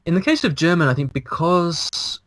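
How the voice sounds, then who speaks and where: Man in his thirties, video call, animated, restarts sentences, dry close sound. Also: a little high, moderate pace, no echo. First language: English. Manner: animated, thinking aloud with many restarts. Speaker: guest, language blogger. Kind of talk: casual interview. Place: small room indoors. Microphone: video call, earphones, mic in front.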